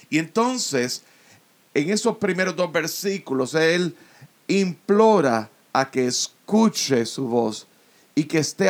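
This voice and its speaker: A man preaching a sermon, slowly and earnestly explaining a psalm verse by verse. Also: fairly high pitch, fairly bright tone. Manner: slow, earnest expository preaching.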